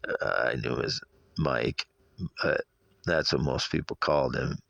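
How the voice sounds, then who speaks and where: A middle-aged man with a Midwestern American accent speaks in an extremely low, gravelly voice, congested from allergies. He rambles through a personal monologue, stopping, repeating and correcting himself. The sound is dry and close, with little room on it. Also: a bit bright, no room sound. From Iowa, United States. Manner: halting, repetitive, self-correcting.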